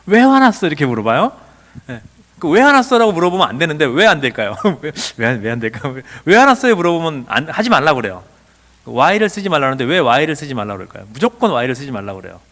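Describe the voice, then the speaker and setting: A man's voice: mid-range voice, expressive, quick pace, fairly bright tone. A middle-aged man lecturing at a church teacher training, asking rhetorical questions and acting out short bits of dialogue. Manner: asks rhetorical questions, acts out quoted dialogue. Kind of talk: lively seminar lecture.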